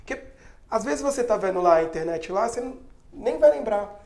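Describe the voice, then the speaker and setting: A man's voice: high-pitched, expressive, fairly quick, a little mellow. A Brazilian man co-hosting an interview, chatty and reminiscing. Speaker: co-host interviewer. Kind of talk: casual interview talk. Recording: roomy, echoey sound.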